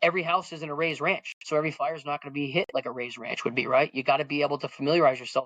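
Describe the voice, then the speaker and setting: Speaking very fast with an American accent, a man delivers fairly even intonation in a bright, sharp tone at a fairly high pitch. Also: dry, close sound with no echo. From Connecticut. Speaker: firefighter and fire service instructor. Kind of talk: casual interview chat. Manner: halting, frequent fillers and restarts.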